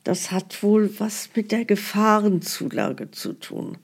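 A woman's voice: mid-range voice, animated, slow pace, gravelly, husky, heavily acted. An actress playing an aggrieved elderly woman in a radio play, complaining indignantly about her hardships. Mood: disappointed, aggrieved. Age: older. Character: aggrieved elderly woman patient grumbling about bills and broken promises. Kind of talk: radio play, mock-documentary monologue.

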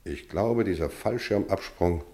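A low-pitched wise schoolmaster from a radio drama. He is measured and paternal, scolding gently with kindness underneath. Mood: thoughtful, consoling. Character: kindly, wise male boarding-school teacher. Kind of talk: German radio play acting.

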